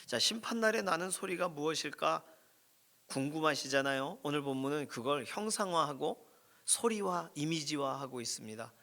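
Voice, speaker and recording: A middle-aged man preaching a sermon as pastor, expressive, rising and dropping his voice to near whisper. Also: fairly high pitch, normal speed, gravelly. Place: church prayer room.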